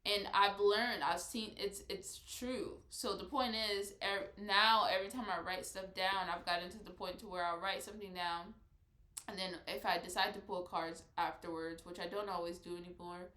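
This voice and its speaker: A woman's voice: mid-range voice, fairly even intonation, moderate pace, sharp tone. Congested woman rambling in an echoey room. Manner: rambling, many restarts and "like"s. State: congested, nasal. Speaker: vlogger. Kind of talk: casual spiritual vlog talk.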